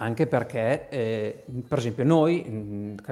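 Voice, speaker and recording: Recorded very cleanly against a silent background, a man with a medium pitch speaks with ordinary pitch variation. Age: 30s. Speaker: live stream caller. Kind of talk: casual discussion. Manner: halting.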